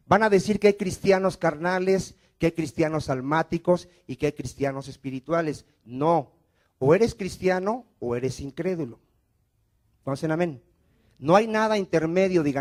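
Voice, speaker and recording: Preaching with a Mexican Spanish accent, a pastor uses a voice on the high side with a darkish tone. He keeps asking the congregation questions, many rhetorical, and leads them in repeating his words back.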